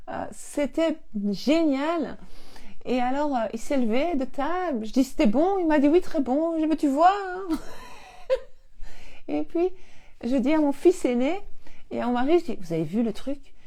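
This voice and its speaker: A woman coach telling a family story casually to her viewers on a live stream. She is animated, laughs often and acts out the dialogue. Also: high-pitched, fairly quick.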